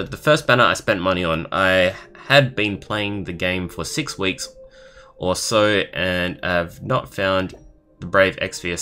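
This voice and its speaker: Low-voiced young man streamer, bright tone. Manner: halting, stumbling over words while reading. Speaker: live streamer. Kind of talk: reading a viewer's story aloud with casual reaction comments. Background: background music.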